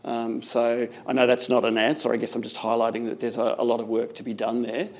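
A man in his fifties speaks on a conference panel with a gravelly, rough edge. His delivery stays flat and even as he restarts his sentences and works toward his point. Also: mid-range voice. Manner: halting, frequent restarts. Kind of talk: panel discussion answers. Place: conference stage with plants.

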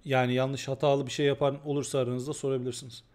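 A man's voice: medium pitch, level tone, fast talker, a little mellow. A man streaming a game live and talking casually, often ranting in exasperation and repeating himself. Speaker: gaming streamer.

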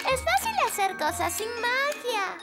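Very high-pitched little fairy princess. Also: female voice, takes it slowly, exaggerated voice. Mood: cheerful. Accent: Latin American Spanish. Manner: childlike, expressive. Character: sweet, excitable little fairy princess girl. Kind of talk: children's cartoon dubbing. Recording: loud music behind.

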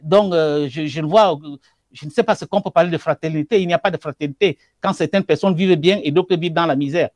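A middle-aged man, speaking as a guest over a video call with emphatic, halting, repetitive phrasing. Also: fairly high pitch, a little mellow, dry recording. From Cameroon. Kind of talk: passionate political commentary. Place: indoor room with wood wall. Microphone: earphone headset on video call.

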